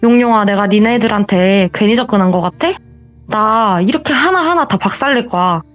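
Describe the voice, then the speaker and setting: A woman's voice: mid-range voice, animated, fairly quick, faint music behind, close to an everyday voice. A woman voicing a fanatical, self-righteous young woman who mocks and preaches in a told horror story. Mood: mocking. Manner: mocking, preachy.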